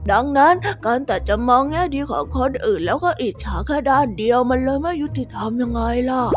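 A high, boyish voice of a quiet and wise village boy, as a woman acts him in a children's audio story. He explains things calmly and modestly, in homely rustic speech, with faint music underneath. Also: brisk. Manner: calm reasoning, modest, rustic familiar talk.

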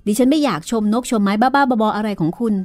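A woman voicing a proud young woman who sharply refuses a suitor, pitched higher than her narration. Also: animated, normal speed, a little mellow. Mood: indignant.

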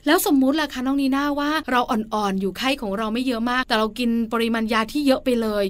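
A woman hosting a casual parenting talk show, chatty and animated, asking questions. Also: fast. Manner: chatty, animated, mimics elders in higher voice. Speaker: podcast host. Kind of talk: casual chat.

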